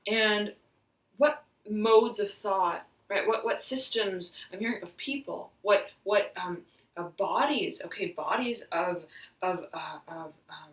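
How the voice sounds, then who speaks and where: A woman giving an intuitive tarot reading, halting and searching as she talks, slightly hoarse, often saying "right" and "I'm hearing.". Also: mid-range voice, distant mic. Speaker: tarot reader. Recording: roomy echo, voice off-mic.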